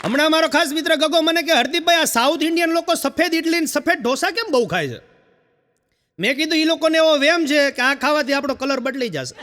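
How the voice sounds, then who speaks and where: Man, stand-up joke teller, very high bright voice, long stage reverb. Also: animated, fairly quick. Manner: chatty storyteller with frequent "haa" fillers. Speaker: stand-up comedian.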